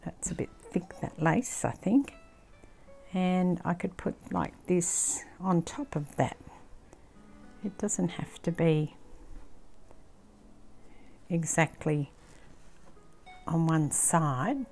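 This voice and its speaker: An older woman with an Australian accent, casually thinking aloud as she works on a craft project, sometimes dropping into a soft near-whisper. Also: fairly low pitch, lively intonation, slow, vocal fry, long pauses, slightly rough, soft background music. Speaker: craft channel host. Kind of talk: casual craft-along commentary. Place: indoor craft table, filmed from overhead.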